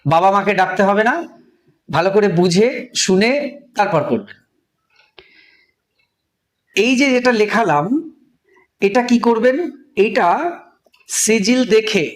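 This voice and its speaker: A man giving a spiritual lesson, patiently spelling out words and repeating them, talking straight to viewers. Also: high-pitched. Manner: colloquial, addresses viewers directly. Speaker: spiritual teacher. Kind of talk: instructional talk.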